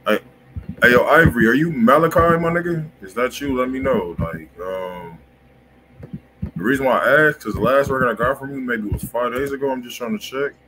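A man's voice: mid-range voice, brisk, a crowd in the background. An American man, around his thirties, chatting casually and slangily as the host of a livestreamed music review show. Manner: slangy, informal. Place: indoor room at home, on a livestream. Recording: noisy room webcam stream.

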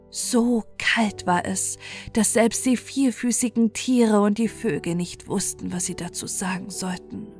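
A woman's voice: medium pitch, creaky, a little mellow. A woman storyteller narrating a scripted bedtime fairy tale, with music playing behind her.

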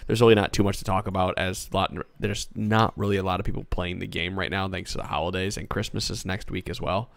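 A man's voice: deep voice, steady tone, fast talker, gravelly, few pauses, no room sound. A man hosting a casual gaming podcast, his voice worn from a cold, coughing now and then. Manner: reads listener questions aloud, coughs. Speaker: podcast host.

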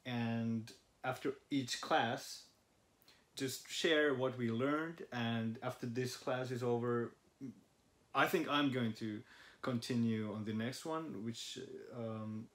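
A man's voice: mid-range voice, slow. A young man from Finland, a native Finnish speaker, hosting a casual language-study vlog from a living room sofa, thinking aloud with fillers. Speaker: vlog host. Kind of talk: casual chat. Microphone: camera in front of a couch.

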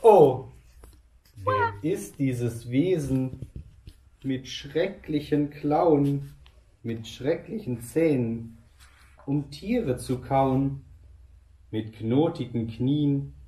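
A male kindergarten teacher reading a picture book aloud to children, slow and deliberate. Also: mid-range voice, warm tone, a little hiss or hum. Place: kindergarten room. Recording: roomy echo.

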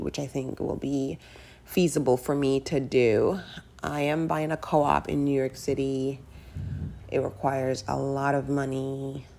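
A woman in her thirties talks in a low, gravelly voice, chatting openly and casually to her viewers. Her delivery is loose and conversational, sprinkled with "like" and "right". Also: mellow. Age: 30s. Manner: chatty, candid, with fillers like "like" and "right". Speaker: personal finance vlogger. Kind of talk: casual voice-over over screen recording.

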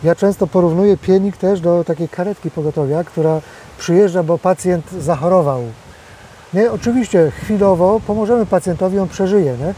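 A man explaining farm equipment in a casual interview outdoors in a field, in a steady, explanatory way. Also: high voice, normal speed, slight background noise, rough recording.

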